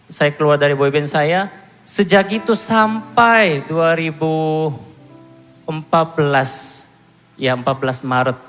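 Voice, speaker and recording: Animated Korean-born man giving church testimony. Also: on the high side. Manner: animated, self-mocking storytelling. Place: church hall. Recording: long hall reverb with music behind.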